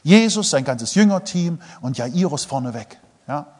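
A man preaching a sermon, swinging between quiet asides and loud emphasis, joking with and questioning the congregation. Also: a little high, animated, moderate pace. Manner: jokes with the congregation, asks them questions. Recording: long hall reverb.

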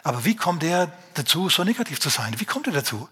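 A man preaching a sermon in a lively, conversational way, speaking straight to the congregation with many rhetorical questions. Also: on the high side, fast, husky.

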